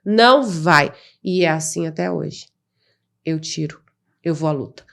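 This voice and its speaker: A woman's voice: low-pitched, unhurried, gravelly, a bit bright. A Brazilian woman, a mother telling her story in a podcast interview, blunt and impassioned. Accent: Brazilian Portuguese. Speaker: guest, mother of an autistic child.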